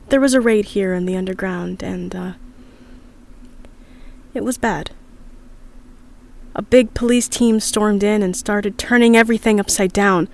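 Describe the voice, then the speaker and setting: An actress playing an upset, earnest young woman from an underground community, confiding hesitantly in an audio drama diary. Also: mid-range voice. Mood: shaken, subdued. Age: young adult.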